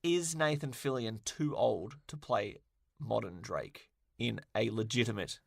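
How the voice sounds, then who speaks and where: A man's voice: on the low side, measured pace, vocal fry, dry recording, studio quality. A man co-hosting a podcast, putting questions in a playful, jokey, casual way. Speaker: podcast co-host asking questions. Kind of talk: casual banter.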